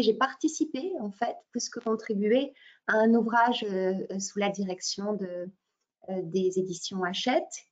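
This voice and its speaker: A middle-aged woman from France, a French teacher presenting a webinar over a video call, often pausing on fillers and restarting her sentences. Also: medium pitch. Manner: hesitant, many fillers and restarts. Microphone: computer mic on a video call. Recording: muffled lo-fi webinar audio.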